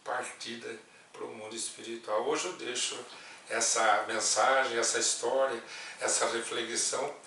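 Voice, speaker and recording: A man telling a story as a Spiritist speaker, earnest and gentle, slowing down on key words. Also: mid-range voice, steady tone, a little hiss or hum. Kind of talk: reflective storytelling talk. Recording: echoey room, voice from a distance.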